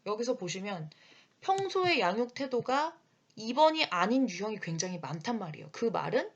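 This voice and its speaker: Animated woman instructor in her thirties, slightly husky, explains classroom childcare with vivid asides. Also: on the high side, highs cut off. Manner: lively, breaks into quick acted quotes of parents and children. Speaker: early childhood education instructor. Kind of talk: explanatory lecture.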